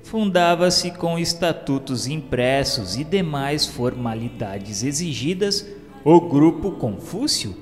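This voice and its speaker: A Brazilian man reading a scripted radio narration in a solemn, formal, measured way. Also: on the high side, animated. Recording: long reverb, music behind the voice. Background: music.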